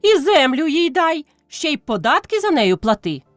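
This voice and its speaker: A woman reading a novel aloud, voicing a grudging village man who shouts scornful complaints. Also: sits high, sing-song, normal speed, no echo, voice pushed up. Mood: resentful.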